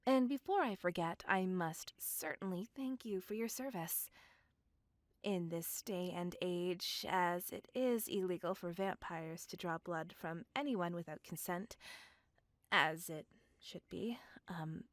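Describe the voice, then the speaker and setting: A woman's voice: lowish voice, unhurried, no room sound, natural voice. A woman playing Val, a possessive vampire. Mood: apologetic. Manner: formal, courteous old-fashioned speech; whispering intimately. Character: possessive, polite female vampire stalker. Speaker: voice actor. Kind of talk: ASMR roleplay.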